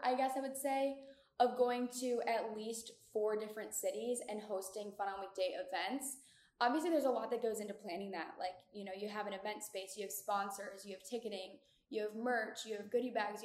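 A young American woman in her mid-twenties speaks in a fairly high voice, as if chatting to her podcast listeners. Her delivery is informal and candid, peppered with "like". The room around her is noticeably echoey. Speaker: podcast host. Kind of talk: casual solo podcast chat. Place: echoey community room of an apartment building.

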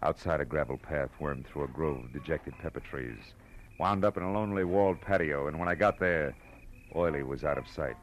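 Low male private eye, tough, wry, world-weary, clipped, 1940s radio detective style, music behind. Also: a little fast, poor audio. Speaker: lead actor and narrator.

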